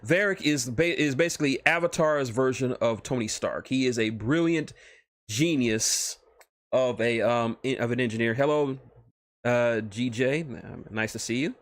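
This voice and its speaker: A male streamer talks casually in a dry, close-miked space. His delivery is rambling and enthusiastic, with profanity mixed in, and his pitch sits in an ordinary middle range for a man. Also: normal speed, no echo. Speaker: streamer, host. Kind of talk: casual livestream chat about fan fiction.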